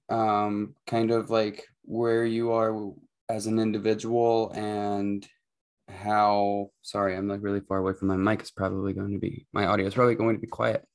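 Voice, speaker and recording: A woman co-hosting a podcast, talking casually, slowly searching for her words. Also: a bass voice, darkish tone. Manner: slow, hesitant, searching for words. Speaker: podcast co-host. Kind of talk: casual chat. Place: room, sitting far from the mic.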